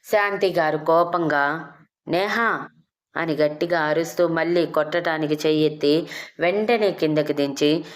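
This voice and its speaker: A woman storyteller giving a steady scripted narration of a love story. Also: low-pitched, moderate pace.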